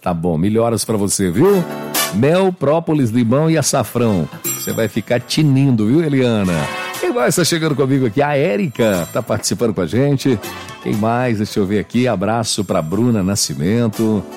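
Brazilian male radio host, mid pitch, upbeat call-in chatter, music playing under him. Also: expressive, moderate pace, darkish tone. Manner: upbeat, chatty, greets listeners by name. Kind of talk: morning call-in radio show. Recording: radio studio with music bed.

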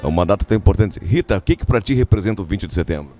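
A man with a Rio Grande do Sul accent reporting live for a radio show, chatty and lively. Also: low-pitched, very fast, soft background music. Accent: Rio Grande do Sul Portuguese. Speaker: field reporter.

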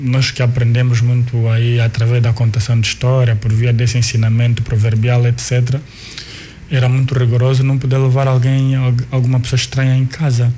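A man in his forties with an Angolan Portuguese accent and a mid-pitched voice. Kikongo is his first language, and he tells his story thoughtfully, pausing and restarting as he searches for words. A faint hiss of noise sits under the recording. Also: completely flat delivery, mellow. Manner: unhurried, restarts and repeats words while recalling. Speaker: guest, artist and cultural manager. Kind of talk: reflective life-story telling.

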